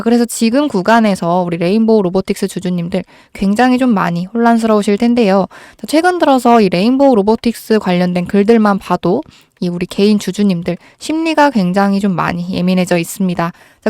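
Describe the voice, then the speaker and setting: A woman's voice: medium pitch, darkish tone, dry recording, clean studio sound. A woman hosting a market commentary, explaining things to viewers in a polite, reassuring way, her voice a little strained by a cold. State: has a cold, slightly strained voice. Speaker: host of a stock market channel.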